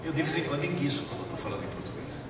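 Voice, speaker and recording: A man with an Italian accent and Italian as his first language, giving a lively, joking lecture to a live audience and asking them questions. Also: a little high, rapid-fire, crowd noise. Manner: animated, jokey, asks the audience questions. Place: large hall with a live audience. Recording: echoey hall from far off, noisy.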